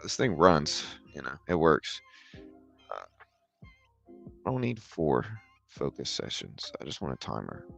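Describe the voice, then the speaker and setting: A man with a naturally very deep, low-pitched voice talks through market news on a live stream. He sounds tired, with a gravelly edge, and his explanations wander with fillers and restarts. Faint music plays underneath. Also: unhurried, long pauses. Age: adult with a daughter. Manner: relaxed, rambling, filler-heavy explaining. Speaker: livestream trading host. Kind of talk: casual live market commentary, reading chat questions.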